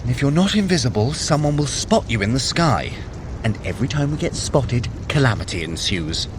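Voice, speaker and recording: A man's voice: mid-range voice, very animated, fairly quick, close to an everyday voice. Guy doing a sarcastic norse trickster god, super swoopy theatrical delivery, noisy adventure audio. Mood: cautioning. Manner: sardonic, theatrical. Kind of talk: audio drama acting for a running app.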